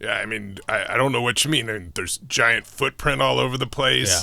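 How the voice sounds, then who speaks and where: This is a put-on character voice with a raspy edge. It moves at a fairly quick pace. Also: man, medium pitch for a man. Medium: audio drama. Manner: casual, rambling, matter-of-fact.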